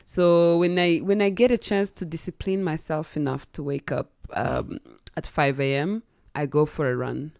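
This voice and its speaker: A woman's voice: low voice, fairly even intonation, moderate pace, vocal fry, hardly any pauses, darkish tone, no room sound. A young woman with a Rwandan accent, chatting reflectively as a musician guest in a radio interview, searching for her words at a close studio mic. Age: young adult. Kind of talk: radio interview, casual chat. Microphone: close studio boom mic.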